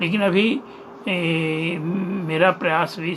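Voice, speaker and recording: A high-pitched man in a Jharkhand accent, fairly even intonation and noticeable background noise. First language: Mundari (speaking Hindi). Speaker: writer and former radio journalist. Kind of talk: interview talk. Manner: halting.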